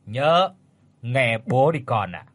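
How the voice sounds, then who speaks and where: A gruff, bossy old father barks orders in a quick, irritable voice, as a male storyteller puts him on. The husky voice swings widely in pitch against a dry backdrop of faint music. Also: sing-song. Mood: angry. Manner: shouting, snapping.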